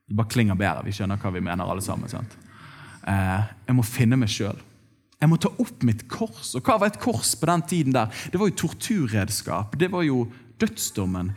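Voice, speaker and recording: Husky preacher, conversational sermon. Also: male voice, medium pitch, darkish tone. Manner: conversational, rhetorical questions to the congregation. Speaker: pastor. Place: church.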